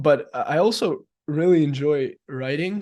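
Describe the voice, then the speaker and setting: A man with a non-native accent. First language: not English. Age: 20s. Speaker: illustrator. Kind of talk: interview. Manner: casual, hesitant with fillers.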